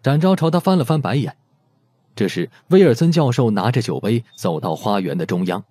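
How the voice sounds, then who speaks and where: A man's voice: medium pitch, animated, a little fast, mellow, husky, dry recording. A man narrating a scripted audiobook story expressively.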